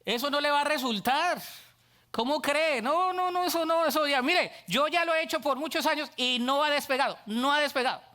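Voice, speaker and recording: A middle-aged male pastor preaches with a high, bright voice. He talks animatedly and slips into playful voices of church members. His delivery stays warm toward the congregation and full of energy. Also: brisk. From Colombia. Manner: lively preaching, acts out voices of church people. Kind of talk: sermon.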